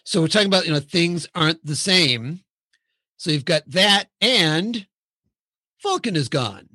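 A man with a fairly high, bright, forceful voice leads a relaxed film discussion. He steers between topics and thinks out loud, often restarting his sentences. The recording is dry and close. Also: unhurried, no echo.

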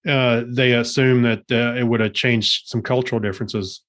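A man in a casual film discussion, relaxed and easygoing, thinking aloud with fillers. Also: mid-range voice, normal speed.

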